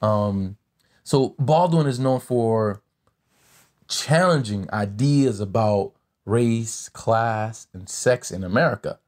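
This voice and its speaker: Hosting a podcast interview, this man talks slowly in a fairly low, darkish voice. His conversational style is thoughtful, full of fillers and drawn-out questions.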